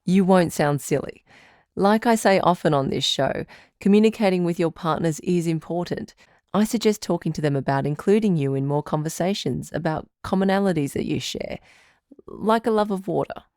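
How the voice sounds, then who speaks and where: A woman playing a calm, caring radio advice doctor who hosts a call-in show in a measured, reassuring way. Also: on the low side, dry recording, clean studio sound, lightly acted. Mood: gentle, firm.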